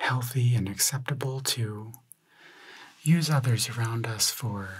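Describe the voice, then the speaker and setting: A soft-spoken, somewhat breathy man at medium pitch, with fairly even intonation and a very slow pace. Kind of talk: ASMR reflective talk. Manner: calm, slow.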